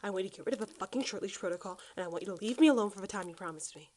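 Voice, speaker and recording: A woman's voice: medium pitch, very fast, darkish tone, close to an everyday voice. A woman playing a bitter, guarded, sarcastic woman in a sci-fi audio drama, curt and profane. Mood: sarcastic, resentful.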